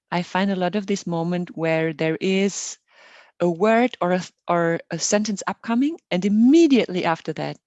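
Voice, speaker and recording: A woman hosting an online meditation session, welcoming people in a gentle, unhurried and reassuring way. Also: on the low side, dry recording, muffled recording. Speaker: meditation host. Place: online group call.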